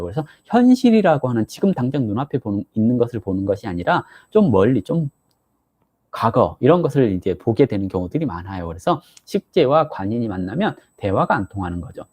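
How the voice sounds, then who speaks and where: Husky man teaching with lively pitch. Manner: explanatory, acts out couples' quarrels in quoted voices. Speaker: saju fortune-telling teacher. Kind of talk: live-stream lesson.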